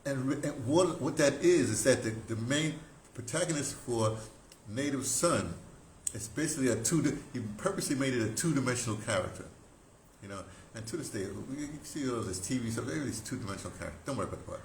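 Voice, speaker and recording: A man in his seventies telling stories informally, in a halting, digressive way with emphatic stresses. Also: medium pitch, animated. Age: 70s. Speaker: audio dramatist recounting theater history. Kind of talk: informal rambling storytelling to camera. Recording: roomy echo, background noise.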